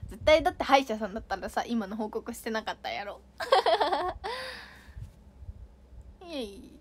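Young female idol, high voice, playful and giggly, casual livestream chat with viewers. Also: expressive, fast. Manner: playful and giggly, reads comments aloud and reacts.

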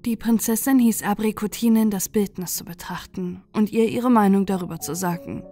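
A woman reads a fairy tale aloud in a soft, gentle, unhurried way, meant for bedtime. Her tone is warm and mellow at a middle pitch. Quiet music lingers in the background. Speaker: audiobook narrator. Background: faint music.

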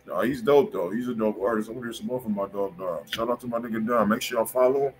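A man's voice: fairly low pitch, fast, a little hiss or hum. A man with an American accent hosting a music review in casual, slangy, profane talk full of repeated catchphrases. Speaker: music review show host. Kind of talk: casual chat, live music feedback. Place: indoor room, livestream.

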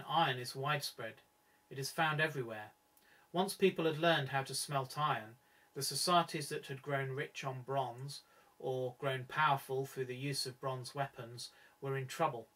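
A man's voice: mid-range voice, fairly bright tone. Distant-miked middle-aged man narrating. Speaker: presenter. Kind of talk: scripted narration, documentary lecture. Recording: slightly distant microphone.

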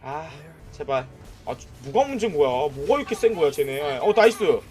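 A man live-streams a mobile game, cheering and trash-talking his enemies while soft music plays behind him. His voice is slightly high and his pace is normal. He's excitable, shouting at opponents and saying "nice" and "that's it" again and again.

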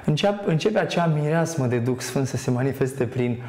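A man's voice: medium pitch, lively intonation, warm tone, roomy sound. A man as a guest on a TV talk show, speaking earnestly about spirituality and hesitating with many fillers. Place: TV studio.

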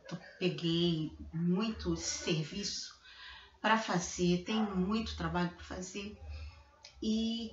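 A chatty woman in her fifties talks straight to her laptop webcam from her living room. Her voice is bright and clear, with a roomy echo. The sound is dull and lo-fi. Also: mid-range voice. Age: 50s. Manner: chatty, repeats words and adds tag questions. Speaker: beauty vlogger. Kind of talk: casual chat to camera. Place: living room at home, indoors.

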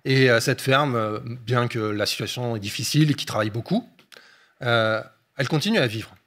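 A man's voice: mid-range voice, normal speed, a bit bright. A man, an economist guest on a discussion show, explaining at length with frequent hesitation fillers.

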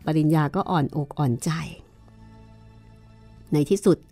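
A woman podcast host giving a steady, expressive audiobook reading of a horror novel. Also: low-pitched, a little slow, faint music behind.

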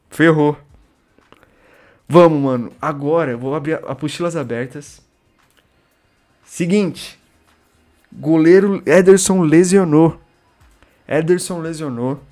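A young man with a Brazilian Portuguese accent streams a game, tossing out slangy live commentary, chatting with viewers and bursting into shouts. His voice runs a little high.

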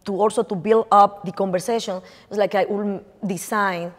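A woman's voice: mid-range voice, steady tone, moderate pace. Middle-aged woman with a Dominican Spanish accent, chatty lecturer in a reverberant hall, many restarts. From Dominican Republic. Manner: chatty, many restarts and fillers, gesturing as she speaks. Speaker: visiting artist lecturer. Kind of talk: lecture on her art. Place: lecture room in front of a projected slide.

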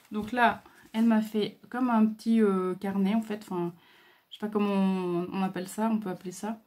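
A woman hosting a casual craft video, talking hesitantly with many fillers and pauses as she admires what she shows. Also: medium pitch, fairly even intonation. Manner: admiring, soft-spoken. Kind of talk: casual show-and-tell.

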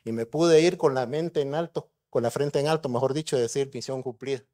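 Brisk delivery, a mid-range pitch, and a dark tone mark this middle-aged Guatemalan man. A neurosurgeon, he gives a conversational conference lecture full of rhetorical questions for the audience.

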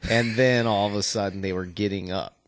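A man's voice: lowish voice, fairly even intonation, fairly quick. A man co-hosting a podcast, chatting casually and swearing freely. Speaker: podcast co-host.

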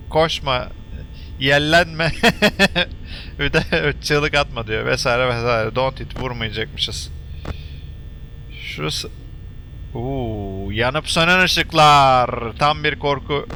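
A man talking through a horror game he is playing, joking to himself and yelling when scared. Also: on the high side, a little hiss or hum. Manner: chatty, jokey, shouts and curses when startled. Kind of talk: let's play commentary.

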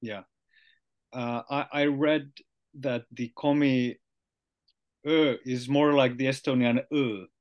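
A young man with a Finnish accent, a native Finnish speaker, hosting a casual interview over a video call and slowly trying out new words. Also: medium pitch, fairly even intonation, dull audio. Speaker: podcast host. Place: small room indoors.

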